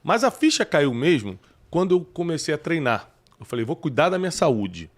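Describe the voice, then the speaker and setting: Brazilian host, emphatic preacher-like delivery, slightly higher male voice, podcast chat. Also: very animated, normal speed. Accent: Brazilian Portuguese. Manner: emphatic, preacherly, cites scripture. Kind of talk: podcast conversation.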